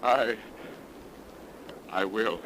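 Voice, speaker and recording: A man's voice: fairly low pitch, extremely slow, a bit bright. An actor playing an earnest, distraught young man in love who refuses to believe, in 1930s radio melodrama style. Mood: disbelieving, reluctant. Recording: noisy, scratchy 1930s radio recording.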